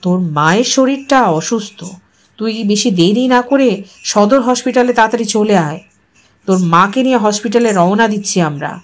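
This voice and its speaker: A woman's voice: medium pitch, normal speed, natural voice. A woman voicing an anxious, chatty elderly village father in an audio story, reassuring and fondly scolding. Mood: anxious, urgent. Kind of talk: Bengali audio story character dialogue.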